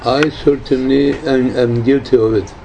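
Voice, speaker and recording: A man in his nineties giving an informal religious talk as a Muslim teacher, deliberate and halting, with emphatic repeated phrases. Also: medium pitch, fairly even intonation, gravelly. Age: 90s. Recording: dull lo-fi recording, faint background noise.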